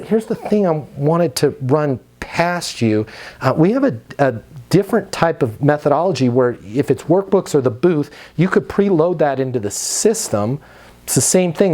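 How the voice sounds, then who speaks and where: A man's voice: fairly high pitch, a little mellow. An American man coaching on sales in a conversational, instructive way, slipping into acted-out example dialogue.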